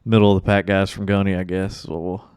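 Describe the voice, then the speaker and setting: A man with a raspy, tired baritone, hosting a casual sports podcast in a rambling, joking way. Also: little pitch movement, fast, a little mellow, dry recording, clean studio sound. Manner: rambling, joking, restarts sentences. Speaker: podcast host.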